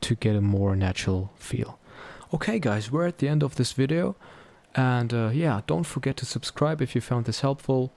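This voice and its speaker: Man, mid-pitched voice, casual tutorial presenter, explanatory narration. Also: animated, moderate pace, creaky, darkish tone.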